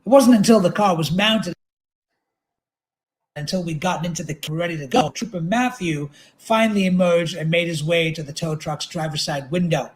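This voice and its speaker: A man with a noticeably high voice reads literary prose aloud. His delivery is measured and dramatic, in the manner of an author event reading. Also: rough recording. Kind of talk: literary narration read aloud.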